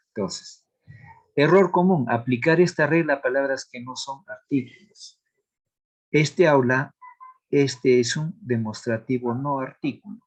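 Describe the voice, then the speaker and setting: A male teacher walks through grammar rules at an unhurried, measured pace. He reads each example carefully and pauses to check that the class follows. His voice sits at an ordinary middle pitch. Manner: slow, deliberate explanation of examples; asks checking questions of the class. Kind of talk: grammar lesson.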